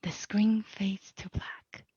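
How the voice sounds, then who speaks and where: A woman with a breathy, whispery voice reading scripted stage directions as narrator, on dull lo-fi audio. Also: mid-range voice, level tone, takes it slowly, mellow, no echo.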